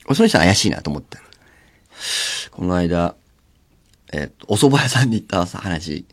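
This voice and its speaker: Chatty male radio host, very lively pitch. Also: moderate pace. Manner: chatty, laughing, storytelling with lively swings. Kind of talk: casual solo radio chat. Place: radio studio. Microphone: studio mic.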